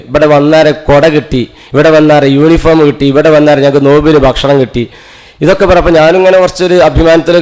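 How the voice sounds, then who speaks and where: Middle-aged Malayali man, rapid and heartfelt storytelling, restarts mid-sentence. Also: on the high side, darkish tone, poor audio. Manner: fast, earnest, with frequent restarts. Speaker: teacher giving a talk at a cultural centre. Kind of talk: emotional storytelling speech.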